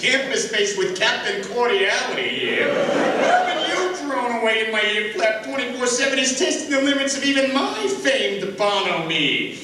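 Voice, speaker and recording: Cynical smart-mouth rat bot, cartoony, big echoey room, noisy and far off mic. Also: male voice, very high-pitched, very animated, moderate pace. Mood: sarcastic griping. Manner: sarcastic, slangy, griping. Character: wisecracking cynical male robot rat, streetwise grumbler. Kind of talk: live dramatic script reading, cartoon character acting.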